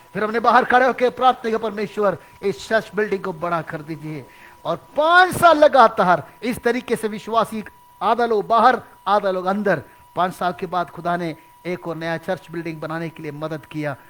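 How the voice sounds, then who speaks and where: Noticeable background noise sits behind a man with a high pitch. His intonation is lively, and his loudness swings widely. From South India. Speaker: pastor. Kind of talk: sermon. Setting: church.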